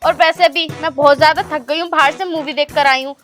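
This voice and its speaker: A woman's voice: high voice, steady tone, fairly quick, a bit bright, soft background music. A woman playing a cheeky, lazy young modern daughter-in-law who talks back and drops English words. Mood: dismissive. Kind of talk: rustic comedy skit acting.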